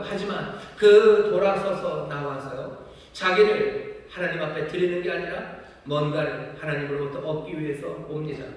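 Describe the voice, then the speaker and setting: A man pastor preaching a sermon with passion, often voicing God's rebukes as pointed questions. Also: sits high. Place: large church sanctuary. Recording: echoey hall, distant mic.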